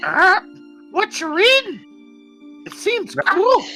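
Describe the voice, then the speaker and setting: An extremely high, put-on character voice at a very slow pace, with clear music in the background. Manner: casual, friendly.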